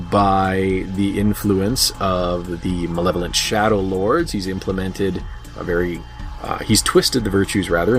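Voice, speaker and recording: A man's voice: deep voice, a bit bright. A man hosting a casual panel discussion, talking in a rambling, think-aloud way. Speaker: podcast host.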